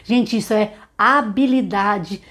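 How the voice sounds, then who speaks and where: A woman teaching a literacy lesson for teachers, often acting out phonics questions to children in an animated voice. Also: mid-range voice, slow pace.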